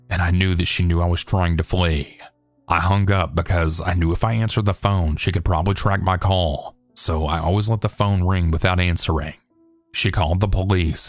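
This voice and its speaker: A man reading a listener's true story aloud in a steady, measured storytelling voice. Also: sits low. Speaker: narrator.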